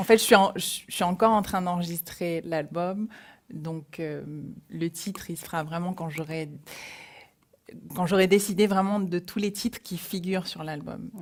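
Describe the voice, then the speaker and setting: A woman with an English accent and a fairly low pitch speaks at a fairly slow pace with fairly even intonation. She makes long, frequent pauses, and her loudness swings widely. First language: English (speaking French). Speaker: pop singer. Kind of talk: interview. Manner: hesitant.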